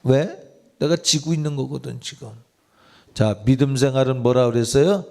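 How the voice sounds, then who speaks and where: A man's voice: medium pitch, moderate pace, vocal fry, a little mellow. A man, a pastor, preaching a sermon in a church, with a conversational style and direct questions put to listeners. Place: church sanctuary.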